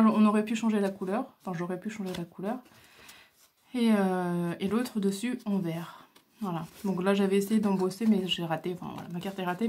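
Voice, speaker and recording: Recorded on a camera mic at home, this woman hosts a crafting video and casually shows off her craft supplies. She speaks in a mid-range, darkish voice, hesitating often and leaning on fillers throughout the show-and-tell.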